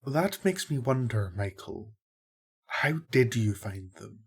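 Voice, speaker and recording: A man playing a calm, reasonable archangel healer in a fantasy audio drama, husky, measured and gently skeptical. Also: mid-range voice, exaggerated voice. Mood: reasoned, probing.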